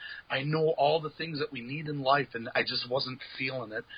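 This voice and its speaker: A man is speaking. His pace is moderate. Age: 40s. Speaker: former cage fighter, obstacle racer. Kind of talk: casual interview. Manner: halting, many fillers.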